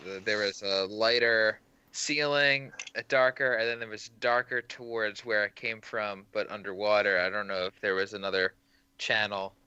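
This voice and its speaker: Bright, clear-voiced man playing a tabletop game. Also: lowish voice, highs cut off. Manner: self-deprecating, stammers on starts. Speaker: player. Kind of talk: casual tabletop play.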